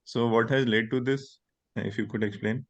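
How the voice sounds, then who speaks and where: A man's voice: mid-range voice, steady tone, moderate pace, no echo. A man with an Indian accent putting questions to company management as an investor on an earnings call. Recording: dull, dry conference line.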